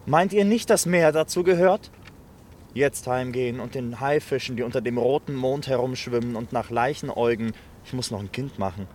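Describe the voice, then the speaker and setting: An actor playing a weary, stubborn soldier home from war, bitter and at times fiercely defiant, in stage-style radio drama. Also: male voice, fairly high pitch, slight background noise, close to an everyday voice. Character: worn-out male war returnee, stubborn and bitter. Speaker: soldier come home, refusing to fight.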